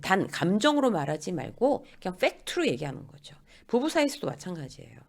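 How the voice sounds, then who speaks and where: A woman's voice: fairly low pitch, fairly quick, vocal fry. A woman lecturing on workplace relationships, often acting out quoted remarks in different voices. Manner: acts out quoted lines in lively voices. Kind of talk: spoken lecture to camera.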